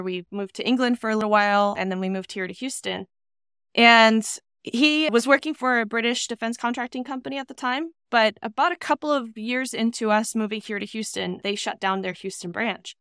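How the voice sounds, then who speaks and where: A woman in her thirties from Iceland, a podcast guest telling stories about her career in a relaxed, chatty way over a video call. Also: mid-range voice, a little fast, clear, resonant tone, no room sound, clean studio sound. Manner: chatty, anecdotal, frequent "you know" fillers. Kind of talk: relaxed storytelling interview.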